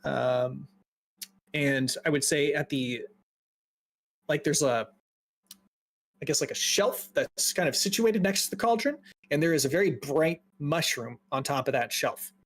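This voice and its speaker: A man's voice: a little high, a little slow, long pauses. A man narrating a tabletop game as game master, describing scenes loosely with many fillers.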